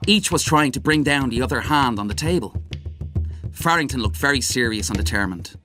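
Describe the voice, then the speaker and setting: A man narrating literary fiction as an audiobook reader, with dramatic, measured storytelling. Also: medium pitch, lively intonation, over music. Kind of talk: expressive scripted literary narration.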